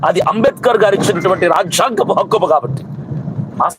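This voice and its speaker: A man's voice: high-pitched, fairly quick, music in the background, low-quality recording. A man, a Christian preacher and activist, gives an impassioned protest speech to the camera. He scolds hard and piles up repeated rhetorical questions.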